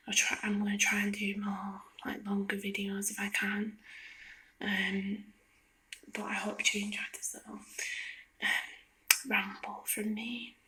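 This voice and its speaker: A woman whispers a casual, meandering ASMR ramble. Her breathy voice is bright and sibilant, staying almost completely level in pitch. She talks hesitantly, in soft, loosely strung phrases. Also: slight background noise. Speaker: ASMR video creator. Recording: lo-fi ASMR recording.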